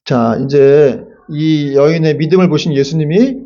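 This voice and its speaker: A male pastor giving a lively Sunday sermon, acting out quotes and adding casual asides to the congregation. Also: on the high side, a little slow, lo-fi sound. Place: church sanctuary.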